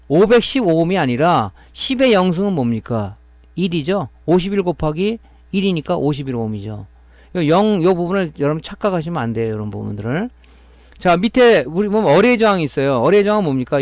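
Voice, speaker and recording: A man's voice: a little high, a little mellow, dry recording. A man teaching electronics repair in a step-by-step classroom style, often checking with his listeners as he explains. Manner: explaining step by step, often adding a tag question to check understanding. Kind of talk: classroom-style technical lecture.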